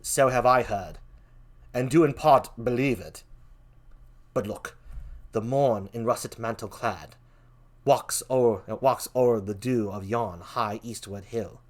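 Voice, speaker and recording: Guy doing a serious night watchman in shakespeare, earnest, kinda declamatory, middle pitch. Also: slow, long pauses. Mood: grave, earnest. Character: grave night watchman in a stage tragedy. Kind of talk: theatrical Shakespearean reading.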